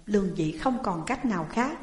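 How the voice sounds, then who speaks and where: A woman reading a classic tale aloud in a steady, plain narrating manner. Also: mid-range voice, normal speed. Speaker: storyteller. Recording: echoey room with long reverb.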